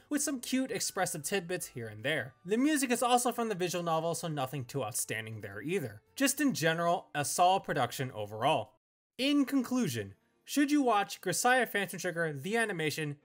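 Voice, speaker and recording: A man's voice: fairly high pitch, fairly bright tone. A young man reading a scripted review as the host of a video.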